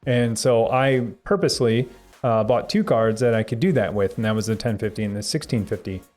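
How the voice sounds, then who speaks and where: A young man hosting a live tech stream, answering viewer chat in a rambling, halting way with lots of fillers and restarts. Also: on the low side, a little mellow, soft background music. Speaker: tech livestream host.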